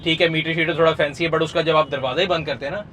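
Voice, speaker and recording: A man's voice: fairly high pitch, steady tone, a bit bright, slight background noise. Chatty Pakistani man hosting a car review. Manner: joking, chatty, self-deprecating. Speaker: host. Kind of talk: casual car review interview.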